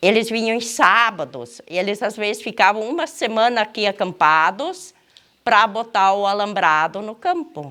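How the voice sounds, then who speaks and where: Her pitch is fairly high and swings very widely. This woman speaks at a moderate pace in a bright, sharp tone. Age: 70s. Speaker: longtime club supporter. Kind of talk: interview reminiscence. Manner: casual, conversational.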